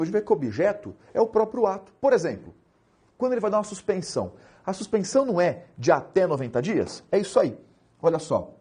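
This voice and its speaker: A young man with a Brazilian Portuguese accent teaches law in an animated, jokey way. His voice sits high and swoops all over. The tone is mellow with a slight husk. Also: slightly rough. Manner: animated, jokey, asks rhetorical questions. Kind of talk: lively recorded lecture.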